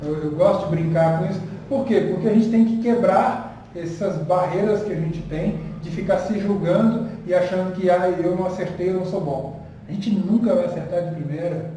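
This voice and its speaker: A man speaks in a relaxed, earnest and encouraging way, as a guest teacher in an easygoing chat. His voice is high for a man and mellow. He sits back from the mic in a roomy, echoing space with faint noise underneath. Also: normal speed. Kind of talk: casual conversation. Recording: echoey room, distant mic, faint noise.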